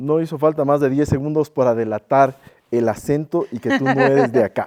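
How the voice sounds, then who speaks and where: In an ordinary speaking voice, a man talks at a fairly quick pace and fairly high pitch with fairly even intonation. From Ecuador. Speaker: podcast host. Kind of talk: interview.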